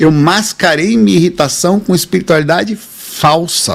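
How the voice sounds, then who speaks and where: This man's voice sits high, and its pitch varies in an ordinary way. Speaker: spiritual teacher. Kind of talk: live stream talk. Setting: live stream. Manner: fast; animated.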